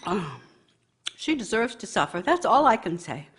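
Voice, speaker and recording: An actress playing a bitter, long-suffering wife in a radio play, nagging and scornful, with a husky voice. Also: female voice, medium pitch, big pitch swings, moderate pace, noisy background, natural voice. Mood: indignant, scornful. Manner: scornful, reproachful, needling. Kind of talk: radio theater monologue.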